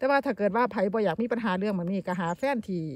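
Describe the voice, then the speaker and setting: Medium pitch and ordinary pitch variation in a woman's voice. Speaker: vlogger. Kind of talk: casual vlog talk to camera. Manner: animated.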